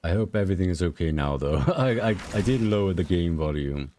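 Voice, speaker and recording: A man, streaming a game and chatting casually with his viewers in a relaxed, hesitant way with many fillers. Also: a little fast, a little hiss or hum. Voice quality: deep voice. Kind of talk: casual gameplay streaming chat. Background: game music.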